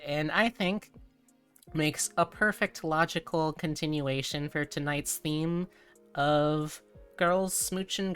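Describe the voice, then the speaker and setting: A woman hosting a livestream, chatting casually to her viewers in an informal, playful way with cutesy wording. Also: low-pitched. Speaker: livestreamer, VTuber host. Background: background music.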